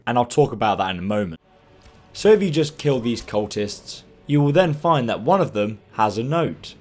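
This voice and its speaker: A man hosting a game walkthrough, explaining steps in an upbeat, instructive way, his voice croaky from a long stream. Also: mid-range voice. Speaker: gaming guide host.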